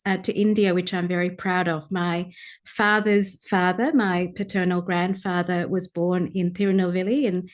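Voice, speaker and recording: Earnest woman giving a speech. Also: mid-range voice. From Sri Lanka. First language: Tamil. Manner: measured and earnest, with frequent pauses to search for words. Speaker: guest speaker, pediatrician. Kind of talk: formal conference address.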